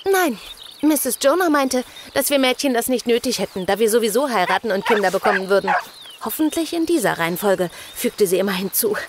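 A woman's voice: on the high side, lively intonation, a little fast, background noise, close to an everyday voice. An actress playing a bold, perky orphan girl in an audio drama, chirpy and matter-of-fact. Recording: music behind the voice.

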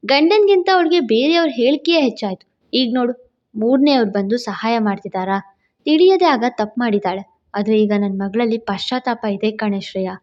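A tearful older mother, pleading and sorrowful, put on by a woman narrator, in a storybook drama, her voice lower than the narrator's own and a little muffled. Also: moderate pace, darkish tone, lightly acted. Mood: worried.

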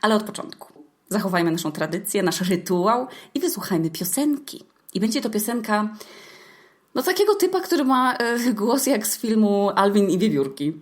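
A woman's voice: medium pitch, animated, moderate pace. A young woman hosting a podcast as a chatty, colloquial, playful monologue with some mock drama. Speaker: podcast host. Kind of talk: casual humorous monologue to listeners.

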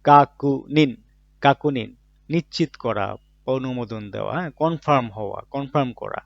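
A creaky, medium-pitched man's voice at normal speed carries this Bangla vocabulary lesson on Japanese, with no echo. Each word gets said aloud and then explained with everyday examples, and he frequently answers questions he puts to himself. The sound is dull and muffled from a dry room.

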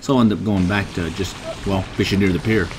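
A man's voice: deep voice, a little fast, noisy background. Laid-back man vlogging while fishing outdoors. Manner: relaxed, chuckling, explaining gear as he fishes. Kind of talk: casual fishing vlog commentary. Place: outdoors at a park pond on a pier. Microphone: action camera.

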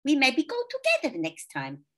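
A woman's voice: high voice, huge pitch swings, moderate pace, fairly bright tone, voice pushed up, exaggerated voice. A woman doing a Greek Cypriot granny. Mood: plain. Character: Greek Cypriot grandmother, warm and plain-spoken.

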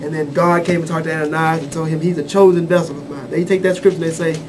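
A man's voice: on the high side, level tone, fast. A man teaching from the Bible on a church radio show, earnest, restarting his phrases often. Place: small radio studio. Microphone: handheld mic.

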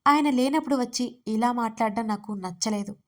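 Woman narrator doing an upset young wife, high voice, snapping back sharp. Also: fairly quick, close to an everyday voice. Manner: sharp, tearful protest. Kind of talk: audio story dialogue.

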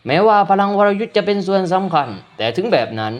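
A man's voice: sits high, big pitch swings, quick pace. A man doing a sighing martial elder. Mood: agreeing.

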